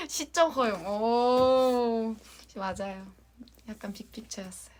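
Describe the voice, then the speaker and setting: Young woman, light Jeolla lilt, livestream host, slow and breezy, a bit high, giggly chat. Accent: light Jeolla Korean. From Jeonju, Korea. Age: young adult. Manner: chatty, giggly, drifts into soft whispers. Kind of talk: casual livestream chat with fans.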